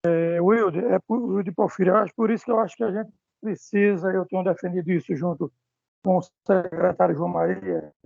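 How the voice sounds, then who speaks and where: A man's voice: high voice, fairly even intonation, a little fast, vocal fry, a little mellow, no echo. A man with a Brazilian accent speaking formally in an online meeting. His audio is choppy and keeps cutting in and out. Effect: choppy audio that cuts in and out. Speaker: meeting participant. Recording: dull, dry, lo-fi call audio.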